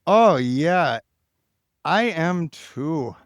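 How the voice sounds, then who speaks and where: A man's voice: a little high, expressive, drawn-out words, no room sound. A man hosting a podcast interview in a casual, chatty way, thinking aloud as he goes. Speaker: podcast host.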